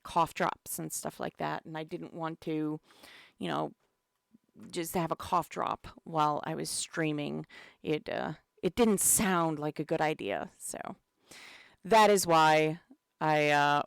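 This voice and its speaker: Woman community manager with a cold, laid-back stream host, slow delivery, smooth tone. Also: deep voice, no echo, clean studio sound. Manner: chatty and relaxed, many fillers, greets chat. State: has a cold. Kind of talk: casual live-stream commentary.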